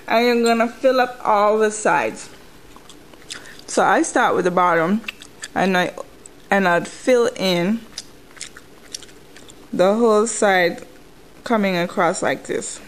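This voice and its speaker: Chewing gum while she speaks, the woman guides viewers through a nail tutorial informally and step by step. Her medium-pitched voice is slow with frequent pauses, captured in a low-quality recording with slight background noise.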